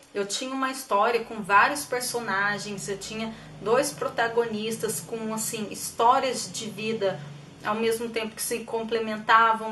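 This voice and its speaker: A chatty woman explains writing in a relaxed, thinking-aloud way, full of little fillers. Her voice sits somewhat high. She sounds set back from the mic in an echoey room. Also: far from the mic, a little hiss or hum. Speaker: writer giving writing tips. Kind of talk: casual explanatory vlog.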